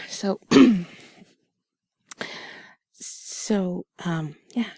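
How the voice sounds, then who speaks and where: A woman chatting softly and intimately to a listener close to the mic, playful and rambling, often slipping into a whisper. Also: fairly low pitch, dry recording. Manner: soft and breathy, often dropping into whispers; playful, giggly, rambling and halting. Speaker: intimate audio performer telling stories to the listener. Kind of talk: intimate, cuddly ASMR-like chat. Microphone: close mic, dry sound.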